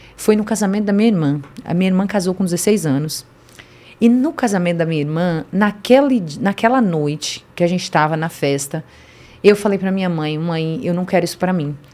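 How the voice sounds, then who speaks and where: Her tone dark and mellow, a woman talks at a fairly quick pace in a medium pitch, with ordinary pitch variation. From Brazil, northern Minas Gerais near Bahia border. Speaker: lawyer and mayor's wife, podcast guest. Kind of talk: interview, life story.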